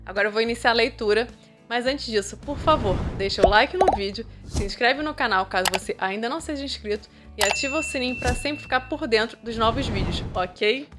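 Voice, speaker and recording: A Brazilian woman reading a manga chapter aloud and commenting on it. Her voice sits a bit high, and she talks in a chatty, joking way. Faint music plays underneath. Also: a little fast. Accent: Brazilian Portuguese. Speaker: YouTuber. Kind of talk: casual manga read-aloud.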